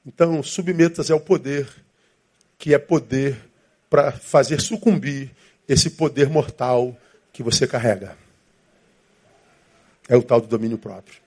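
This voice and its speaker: A man's voice: mid-range voice, a little slow, long pauses, a little mellow. A man preaching a sermon as pastor, with emphatic repetition and inner voices acted out.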